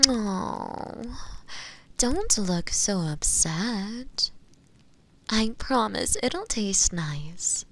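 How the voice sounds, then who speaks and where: A woman playing a seductive, possessive witch in an intimate audio roleplay, sweetly menacing and coaxing, with breathy murmurs that slip into whispers. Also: mid-range voice, expressive, drawn-out words, a bit bright, slight background noise, heavily acted.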